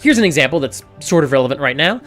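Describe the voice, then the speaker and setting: A man with a slightly high voice delivers an explanatory video essay at a fast clip. He is articulate and argues point by point, adding small asides. Faint music plays underneath him. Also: very animated, a bit bright.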